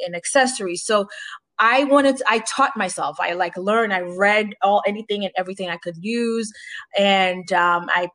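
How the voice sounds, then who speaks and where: With a fairly bright tone at medium pitch, a Haitian-born woman who grew up in Boston talks reflectively in a conversational interview. She's a former broadcaster and makeup artist, and she restarts frequently.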